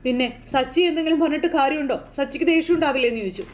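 A woman in casual style quickly retelling a TV serial episode, slipping into the characters' lines as she goes. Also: high-pitched, a little hiss or hum. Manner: lively storyteller voicing characters' lines in passing. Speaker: serial recap narrator. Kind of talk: fast casual plot retelling.

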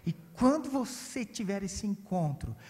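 Brazilian male pastor, lively story sermon, high voice, church reverb. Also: measured pace. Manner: animated, swinging between loud and hushed. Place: church sanctuary.

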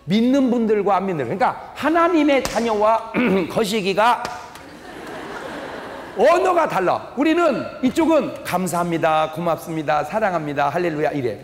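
A man's voice: high voice, a little hiss or hum. An older man preaching a humorous revival sermon as a pastor, telling folksy stories, quizzing the audience and acting out family quarrels. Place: large church hall. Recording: echoey hall with long reverb.

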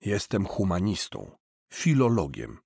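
A man's voice: sits low, huge pitch swings, unhurried, vocal fry, darkish tone, slightly rough, no echo, exaggerated voice. A man playing a hapless, awkward, hungover young man in an audiobook. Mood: sheepish.

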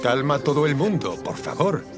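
A man voicing a calm, reasonable village gentleman in a cartoon dub. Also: a little high, moderate pace, over loud music. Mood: calm, reasoning. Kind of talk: animated series dubbing.

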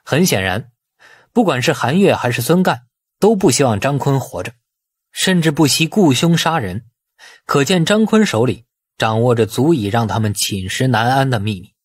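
A man reading a novel as dramatic scripted narration, in a husky voice. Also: mid-range voice, lively intonation, normal speed, no room sound. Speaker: audiobook narrator.

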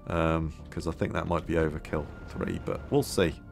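A man musing aloud as he plays a game, his voice a little hoarse, with many fillers. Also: a bass voice, fairly even intonation, moderate pace, soft background music. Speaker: gameplay video host. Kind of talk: casual gameplay commentary.

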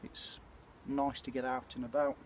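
A British man in his forties chatting casually and reflectively to camera, with a hesitant, throat-clearing delivery. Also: mid-range voice, flat delivery, normal speed. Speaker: bushcraft vlogger. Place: outdoors at night by a small campfire. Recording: clear ambient noise of an outdoor campfire.

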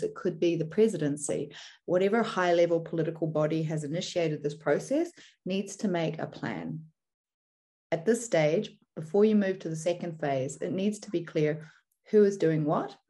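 A woman speaks with a New Zealand accent in a deep, soft-edged voice. She presents like a seminar teacher, measured and explanatory, setting out points step by step. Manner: measured, didactic, poses rhetorical questions.

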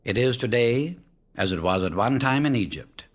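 A man reading a spiritual book aloud as an audiobook narrator, in a measured, emphatic way that slows down on key words. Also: mid-range voice, lively intonation. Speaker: audiobook reader. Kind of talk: solemn scripted reading of spiritual teachings.

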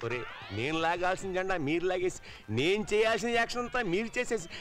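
An actor playing a vain, boastful minister who loves pomp and bosses people around, in a film comedy. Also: male voice, high-pitched, lively intonation, quick pace, music in the background. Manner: boastful, bossy, mocking. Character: vain showy male minister, loud and boastful.

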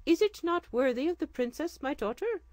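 A woman's voice: sits high, lively intonation, moderate pace, a little mellow, dry recording, pitched above the performer's own voice. A woman voicing a grand, commanding male sultan in a regal, declaiming manner. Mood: delighted.

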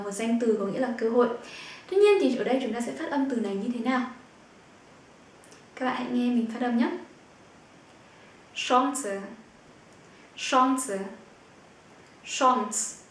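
A woman from Vietnam teaching German pronunciation, saying each word slowly and clearly between quick explanations. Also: a little high, very echoey, recorded from a distance, a little hiss or hum.

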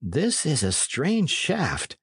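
Guy playing a young squire lad, earnest, slightly higher voice, asks short questions. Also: wildly swooping pitch, slow, husky, no room sound, studio quality, full character voice. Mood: wary. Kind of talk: audiobook character voice.

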